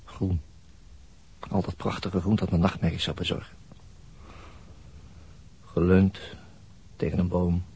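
A brooding man telling a radio crime story as inner monologue. His voice is very low and soft-edged, heavily husky and breathy. He sounds weary and haunted, lingering over short phrases. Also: level tone, heavily acted. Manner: slow, introspective, halting monologue. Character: brooding, weary male narrator haunted by a murder.

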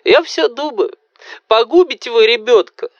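A man voicing a fussy, panicky elderly grandmother with a shrill, wailing voice. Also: animated, moderate pace, dry recording, lo-fi sound. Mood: tearful.

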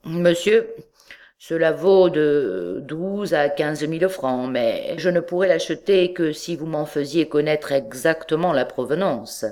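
A woman's voice: deep voice, lively intonation, a little slow, dark tone. A woman voicing a suspicious male jeweler with a dry, clipped manner. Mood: businesslike.

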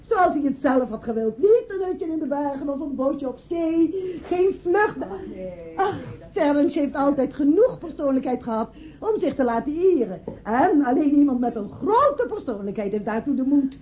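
Casting: effusive hostess and devoted wife, high voice, halting speechmaking, radio drama, dull recording. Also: female voice, lively intonation. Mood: festive, emotional. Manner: gushing, halting party speech with repeats. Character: effusive hostess toasting her husband's birthday, devoted and chatty. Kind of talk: Dutch radio play acting.

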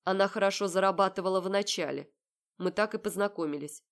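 A woman reading the part of a calm, serious young man who speaks slowly and evenly in an audiobook. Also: mid-range voice, lightly acted. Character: calm, self-assured young man kidnapping his fiancée's sister.

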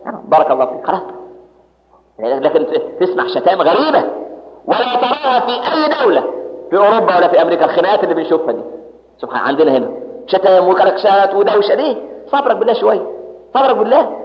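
Lively Egyptian preacher in an echoey hall. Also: male voice, high voice, rapid-fire, a little hiss or hum. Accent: Egyptian Arabic. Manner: lively storytelling, acts out quoted people. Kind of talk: sermon. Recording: muffled recording in echoey hall.

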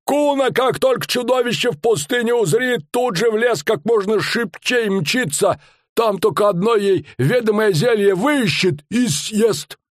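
Loud middle-aged barker, rustic old-fashioned speech, drawn-out showman's patter, high voice. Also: no room sound, studio quality. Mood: boastful.

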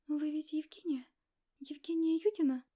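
Woman voicing a young pregnant woman, timid, tearful, soft-voiced, stammering, high voice. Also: fairly even intonation, moderate pace, natural voice.

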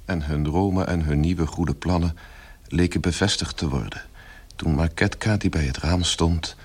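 A man narrating a radio drama from a script in a measured, literary manner. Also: low voice, darkish tone, slightly rough.

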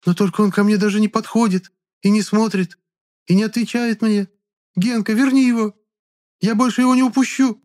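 A man voicing a hysterical young woman who shouts, whines and pleads through tears. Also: fairly even intonation, fairly quick, lightly acted. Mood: pleading, tearful. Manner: shrill, shouting, whiny. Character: hysterical young woman, shrill, demanding, tearful.

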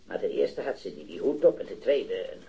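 A man's voice: fairly low pitch, big pitch swings, gravelly, dark tone, dull audio. An actor playing a hesitant male eyewitness in his thirties who stammers and repeats himself, in a radio drama. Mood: unsure, rambling. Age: 30s. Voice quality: halting, stammering, repeats words. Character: hesitant male metal worker, early thirties, eager eyewitness. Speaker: eyewitness to a robbery. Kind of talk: 1970s radio drama acting.

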